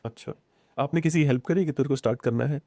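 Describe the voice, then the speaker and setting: A man talking in a casual podcast conversation, animated and opinionated, mixing English phrases into his speech. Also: mid-range voice, quick pace, no echo. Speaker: podcast guest.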